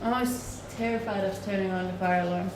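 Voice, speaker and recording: A woman's voice: medium pitch, steady tone, fast, reverberant, background noise. A Danish woman with a Danish accent, chatting casually with her livestream viewers while she cooks, laughing often. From Denmark. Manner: chatty, laughs often, reads chat aloud. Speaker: live streamer. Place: home kitchen.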